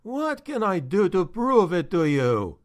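A man's voice: on the high side, big pitch swings, fairly bright tone. A man reading a story aloud, voicing an anxious male steward who talks in a shaky, pleading way. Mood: agitated. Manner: shaky, agitated, slow and pleading.

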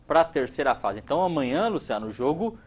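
A man in his thirties from Brazil, a TV news anchor reading sports results in a relaxed, chatty way in a studio. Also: a little high, a little fast. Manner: relaxed, conversational, many fillers.

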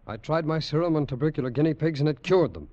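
A man's voice: on the high side, fast talker, warm tone, natural voice. A man playing an earnest, driven young doctor, speaking persuasively in 1940s radio drama style. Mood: eager, urgent. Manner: urgent, persuasive. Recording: dull vintage 1940s radio recording.

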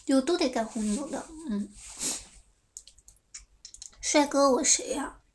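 A young woman with a high, light voice hosts a relaxed fan livestream. She talks at an unhurried pace, teasing and giggling as she reads comments aloud. A faint hiss sits under the phone recording. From China. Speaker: idol livestream host. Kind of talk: casual livestream chat with fans.

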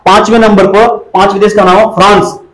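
A man with a high voice teaches an exam-prep class in an echoey room. He drills each point over and over, fires questions at his students and scolds them when they don't follow. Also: level tone, quick pace, a bit bright, slight background noise.

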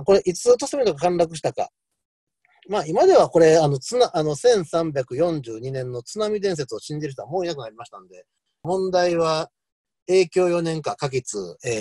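A man giving an online history lecture, talking in a loose, rambling way full of fillers and lively asides. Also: mid-range voice, dry recording.

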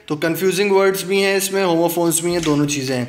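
Male online English tutor with a high voice, who reads definitions slowly and checks in with listeners often. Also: soft background music. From Pakistan. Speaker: English teacher. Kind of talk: video lesson explaining English words in Urdu.

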